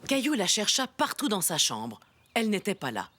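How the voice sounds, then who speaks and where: A woman playing a kindly storyteller, narrating a children's cartoon in a gentle, expressive way. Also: medium pitch, moderate pace, slightly rough, exaggerated voice. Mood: storytelling. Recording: music behind the voice.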